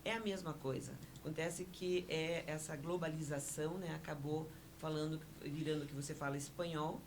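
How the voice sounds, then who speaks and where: A woman whose first language is Spanish, explaining things in a measured way as a guest on a radio interview. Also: sits low, fairly even intonation, slight background noise. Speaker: interview guest, honorary consul.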